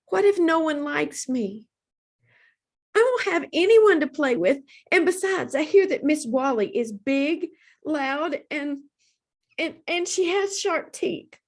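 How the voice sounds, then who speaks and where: A woman's voice: sits high, expressive, slow, voice pushed up, exaggerated voice. A woman voicing a young girl hippo in a storybook, fretful and dramatic about everything. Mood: worried. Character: anxious young girl hippo dreading preschool.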